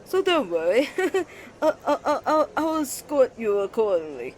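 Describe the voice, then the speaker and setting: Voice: mid-range voice, sing-song, moderate pace, a little hiss or hum, lightly acted. A voice actor playing a shy, flustered male college student in love, stammering, earnest and courteous, in a romantic ASMR roleplay. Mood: nervous, surprised. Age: young adult.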